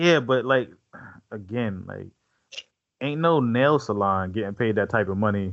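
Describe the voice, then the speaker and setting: A medium-pitched man with ordinary pitch variation and long, frequent pauses. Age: 30s. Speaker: podcast co-host. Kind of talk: casual chat. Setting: call with co-hosts.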